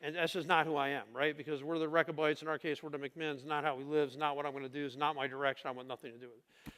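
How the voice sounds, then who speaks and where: A middle-aged male pastor preaches in a relaxed, conversational way, pressing his points with emphasis. He often turns to the congregation with rhetorical questions. His voice sits high, and it rings with the long reverb of a church hall. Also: quick pace. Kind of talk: conversational sermon. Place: church sanctuary.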